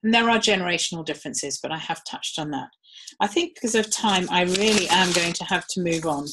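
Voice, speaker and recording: A woman's voice: on the low side, brisk, noisy background. A woman giving a live webinar talk in a conversational way, with frequent ums. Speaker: webinar presenter.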